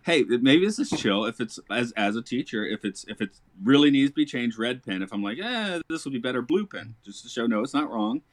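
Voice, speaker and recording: A man's voice: mid-range voice, lively intonation, fairly quick, hardly any pauses, no echo. A man who teaches English, hosting a casual podcast chat, rambling with restarts and laughing often. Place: lives in Japan.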